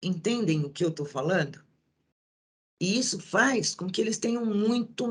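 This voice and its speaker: Her pitch swinging very widely, a woman speaks. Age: 50s. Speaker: workplace health speaker. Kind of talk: lecture.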